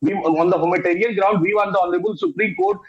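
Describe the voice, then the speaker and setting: A man arguing as a panelist in a heated televised debate, agitated and halting, talking over others. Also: high-pitched, fairly even intonation, lo-fi sound, a loud crowd.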